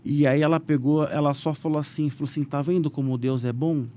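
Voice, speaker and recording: A businessman with a Brazilian Portuguese accent, a guest telling his story animatedly in a casual interview and acting out quotes. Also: brisk. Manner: animated, voices quotes with raised pitch, frequent "né?" fillers.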